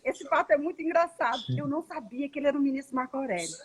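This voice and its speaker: A woman from Goiânia hosts a live online interview with a high, bright-sounding voice. She talks in a chatty, storytelling way and laughs easily. The sound has the feel of a video call. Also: expressive, very fast. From Goiânia, Brazil. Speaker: host.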